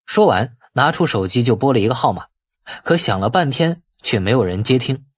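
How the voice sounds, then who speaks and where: A man's voice: mid-range voice, lively intonation, a little fast, slightly rough, dry recording. A man narrating a novel as an audiobook in a scripted storytelling style.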